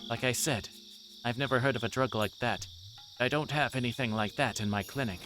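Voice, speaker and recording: A man's voice: mid-range voice, a little fast, noisy background, close to an everyday voice. A man voicing an earnest, defensive clinic doctor in a visual novel.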